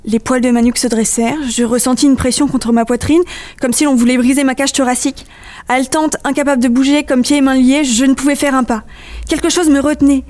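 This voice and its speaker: A woman reading aloud her own eerie first-person story, with measured storytelling. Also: sits high, steady tone, darkish tone.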